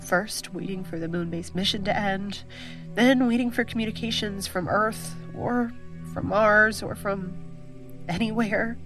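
An actress playing a lonely, weary woman stranded in a sci-fi audio drama, speaking haltingly and full of yearning. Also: mid-range voice, close to an everyday voice. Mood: weary, wistful. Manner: halting, hesitant delivery. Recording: music behind the voice.

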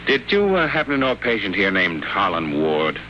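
Deep, animated, inquisitive man on old radio. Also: heavily acted. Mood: probing. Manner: brisk, probing, casual. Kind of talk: 1950s radio drama acting with first-person narration. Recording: very noisy old 1950 radio broadcast.

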